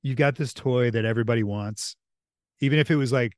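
A man's voice: mid-range voice, fairly quick, smooth, dry recording. Enthusiastic male podcast host, dry sound. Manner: enthusiastic, rambling, animated retelling. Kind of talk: casual chat.

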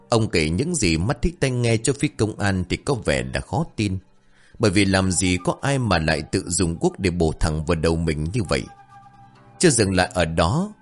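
A man telling a horror story with a low voice and a lively, dramatic delivery. Faint music plays beneath his narration. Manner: dramatic, expressive.

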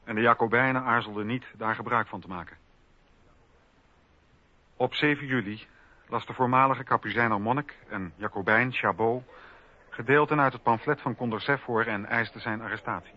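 A man's voice: medium pitch, normal speed. A man narrating history from a script for a documentary radio play. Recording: dull radio recording with faint music.

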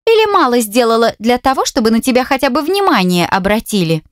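A woman's voice: a little high, sing-song, fairly quick, dry recording, studio quality, voice pushed up. A woman putting on a venomous, coquettish young woman. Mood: mocking, venomous. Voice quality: mocking, sugary and spiteful. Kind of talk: audiobook character voice.

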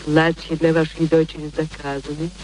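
An actress in a radio play playing a stern, proper housekeeper, formal, firm and dignified. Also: female voice, low voice, level tone, moderate pace, a little mellow, lightly acted, poor audio. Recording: old radio recording with background noise.

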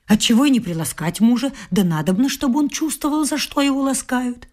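A woman's voice: a little high, expressive, fairly quick, darkish tone, close to an everyday voice. An actress in a radio play voicing a domineering, grasping middle-aged mother-in-law who scolds emphatically and haughtily. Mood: scolding, lecturing. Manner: scolding, emphatic nagging with whispered scorn. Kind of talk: theatrical radio drama acting.

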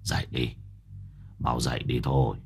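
A man voicing a deep, hushed old master. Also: level tone, normal speed, vocal fry, husky, exaggerated voice. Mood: stern, urgent. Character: elderly male ritual master, calm and stern.

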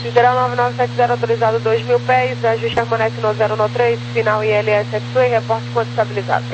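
A woman's voice: a little high, little pitch movement, fast talker. A Brazilian woman working as an air traffic controller, giving clipped instructions over a radio transmission. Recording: muffled, noisy aviation radio with hum.

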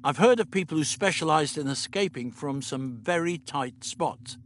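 A man's voice: fairly high pitch, lively intonation, moderate pace, a little hiss or hum, voice pushed up, close to an everyday voice. A man voicing a young male space traveller, curious and resigned in manner. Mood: questioning. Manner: resigned, questioning.

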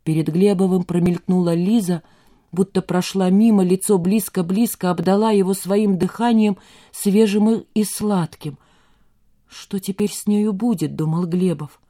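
A woman narrating a literary audiobook in a measured, calm storytelling voice. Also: fairly low pitch.

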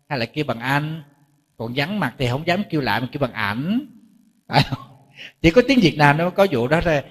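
Southern Vietnamese monk preaching in a hall. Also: male voice, medium pitch. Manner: lively, rhetorical questions to the audience. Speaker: Buddhist monk. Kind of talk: dharma talk sermon. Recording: long reverb hall.

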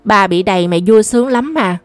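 A woman's voice: mid-range voice, a little fast, no room sound, faint music behind, close to an everyday voice. Defiant sulking stepson, as a woman reads him. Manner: defiant, reproachful retorts. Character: angry stubborn young boy, sulking stepson.

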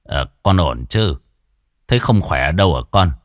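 Man doing a gentle, low-voiced old doctor. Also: lively intonation, moderate pace, no room sound, studio quality. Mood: soothing. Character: kind elderly male doctor, calm and worried.

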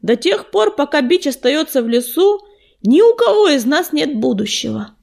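A woman voicing a young male cat clan leader, speaking softly and earnestly, often hushed. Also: sits high, big pitch swings, moderate pace, creaky, voice pushed up, exaggerated voice. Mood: grave. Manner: soft, grateful, often hushed.

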